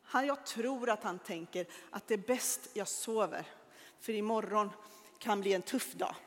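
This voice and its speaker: A woman telling a Bible story to children in a church, animated and dramatic, with lively asides. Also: medium pitch. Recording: long reverb of a large hall.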